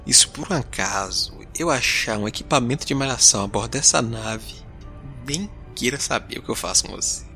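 An actor playing a jumpy space explorer who reacts with comic, expressive alarm. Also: male voice, medium pitch, brisk, vocal fry, faint music behind. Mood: spooked.

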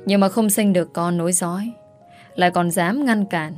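A woman's voice: on the low side, moderate pace, a little mellow, soft background music, close to an everyday voice. A woman voicing a cold, cutting older mother-in-law in a spoken story.

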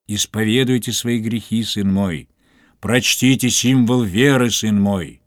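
A man's voice: on the low side, a little slow, no echo, clean studio sound, natural voice. A man voicing a Catholic monk coaxing a dying man to confess. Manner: coaxing, insistent. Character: insistent male Catholic monk, wheedling.

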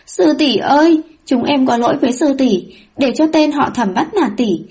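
A woman's voice: on the high side, quick pace, close to an everyday voice. Woman putting on a whiny teenage disciple boy. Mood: wailing. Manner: whiny, excitable.

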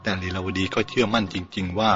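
A man's voice: lowish voice, fairly even intonation, fast, fairly bright tone, lightly acted. A man voicing a tearful, stubborn young woman in an audiobook, speaking insistently. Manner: insistent, pleading. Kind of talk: audiobook character voice. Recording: dull lo-fi with faint music.

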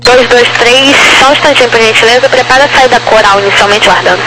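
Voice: mid-range voice, fairly even intonation, quick pace. An air traffic controller with a Brazilian accent, heard over two-way aviation radio, giving terse routine instructions in clipped radio phrasing and politely adding please. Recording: loud static over a radio channel.

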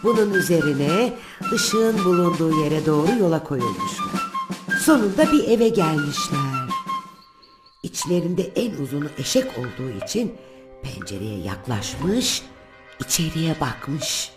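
A woman's voice: on the low side, wildly swooping pitch, measured pace. A woman narrating a scripted fairy tale for children as the storyteller. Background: prominent music.

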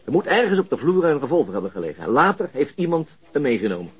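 An actor playing a dogged, frustrated police detective in a radio drama, insistent and questioning with some hesitation mid-sentence. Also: male voice, a little high, sing-song, fast talker, breathy edge. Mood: probing. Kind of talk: Dutch radio drama acting, conversational.

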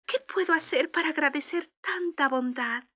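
A woman voicing a gentle, humble young girl with a wistful temper on a children's storybook record. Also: high voice, normal speed, pitched above the performer's own voice. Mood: grateful wonder.

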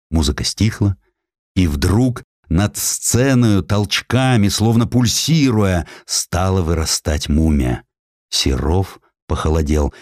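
A man narrating a historical literary sketch in an expressive, theatrical way with dramatic pauses, recorded close in a studio. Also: deep voice, no echo. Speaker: audiobook narrator. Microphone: close studio microphone.

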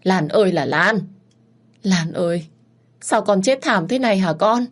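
A woman's voice: fast, slightly rough. A woman doing a frantic, grief-stricken mother. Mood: wailing. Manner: pleading, shrill. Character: frantic grieving mother searching for her daughter.

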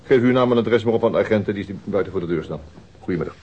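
An actor playing a mild-mannered senior police detective in a radio drama, dry and understated. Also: male voice, lowish voice, rapid-fire, slightly rough. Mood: polite, matter-of-fact. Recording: muffled, noisy old radio drama recording.

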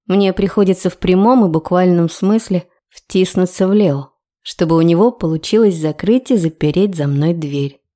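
A young woman narrating a first-person audiobook in a lively, ironic way. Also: fairly low pitch, normal speed, hardly any pauses.

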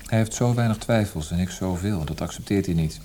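A man's voice: sits low, brisk, dark tone. An actor playing a disillusioned, reflective male poet with a dry irony, in naturalistic radio play dialogue. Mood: guarded, thoughtful. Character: disillusioned Austrian poet, thoughtful and wry husband.

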